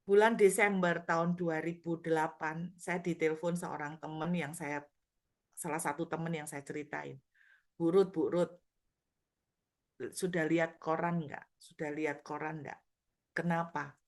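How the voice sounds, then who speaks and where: A middle-aged woman pastor preaching a sermon, telling a personal story with animated delivery and acted-out quoted voices. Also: fairly low pitch.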